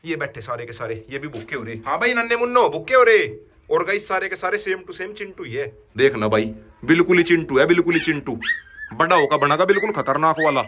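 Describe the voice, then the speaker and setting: A man, talking casually to his viewers while he walks his dog farm and shouts to his dogs. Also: on the high side, animated, fast talker. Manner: calls out loudly to his dogs. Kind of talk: casual vlog commentary.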